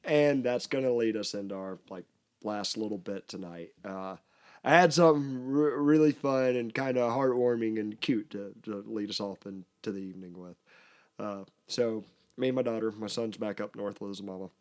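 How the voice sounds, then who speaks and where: A man's voice: on the low side, darkish tone, smooth. A man in his thirties, hosting a podcast in a loose, rambling way. He pokes fun at himself and laughs easily between his tangents. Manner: rambling storyteller, self-mocking, quick to laugh. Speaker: podcast host. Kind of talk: casual chat.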